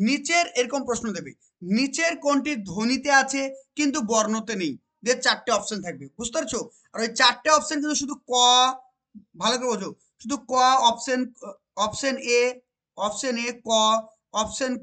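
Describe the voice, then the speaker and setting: A woman with a West Bengal accent teaching an exam-prep grammar lesson. She repeats each point and keeps asking whether it is clear. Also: a little high, a bit bright. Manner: repeats points and asks rhetorical check questions; slows down to stress key phrases.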